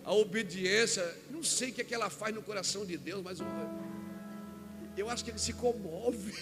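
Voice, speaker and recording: Brazilian pastor preaching over music. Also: male voice, high-pitched, a little fast. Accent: Brazilian Portuguese. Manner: storytelling with quoted dialogue, shouting at peaks. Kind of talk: sermon. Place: church event hall.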